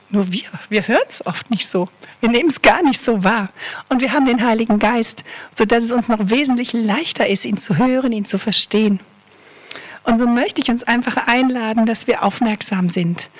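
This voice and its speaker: A woman preacher gives an earnest sermon and repeats her key phrases for weight. Her voice sits fairly high.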